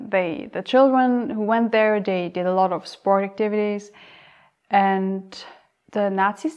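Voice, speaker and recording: A woman's voice: medium pitch, a little mellow, lo-fi sound. A young woman from Austria with an Austrian German accent, hosting a casual talk show in a chatty way, often correcting herself and restarting sentences. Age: young adult. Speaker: host.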